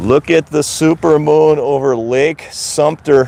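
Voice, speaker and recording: A man with a Wisconsin accent speaks at a very slow pace over noticeable background noise. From Wisconsin, Manitowoc County. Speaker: livestreamer and open house video maker. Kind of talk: casual live stream chat. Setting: outdoors, walking by a lake.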